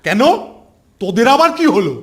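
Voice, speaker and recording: A man's voice: high voice, very animated, normal speed. A man voicing a strict, commanding schoolteacher in a children's cartoon, speaking in a stern, emphatic way. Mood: scolding. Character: strict, commanding adult male school teacher. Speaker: cartoon voice actor. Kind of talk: Bengali children's cartoon dialogue.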